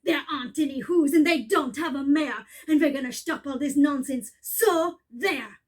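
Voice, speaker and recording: Woman doing storybook monkeys, male, rowdy, jeering, loud, very high. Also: normal speed, natural voice. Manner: shouting and mocking.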